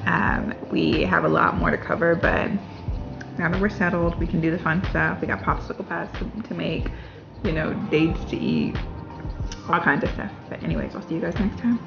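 A woman's voice: on the low side, expressive, moderate pace, gravelly, lo-fi sound, music in the background. A young pregnant woman vlogging in a casual, upbeat way, full of "like" and "um". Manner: chatty, upbeat, lots of "like" and "um". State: heavily pregnant. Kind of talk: casual vlog chat.

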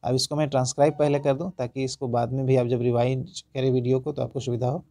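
A man with an Indian accent, teaching English pronunciation in a lesson. His voice is low in brightness and mellow, with some gravelly fry, and it sounds dry and close to the mic. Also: level tone, dry recording. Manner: explains slowly, then reads example sentences word by word with stress. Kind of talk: spoken English lesson in Hindi.

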